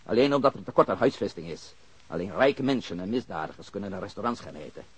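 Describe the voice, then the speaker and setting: A disillusioned foreign labourer in a radio play. His voice is deep and very rough-edged. He talks tersely and haltingly, with a bitter, reluctant temper. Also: animated, no room sound, poor audio. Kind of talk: audio drama acting.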